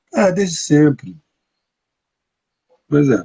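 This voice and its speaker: The voice belongs to a man with fairly high pitch. He speaks at a fairly slow pace. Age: 60s. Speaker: spiritual teacher. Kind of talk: casual chat. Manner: animated.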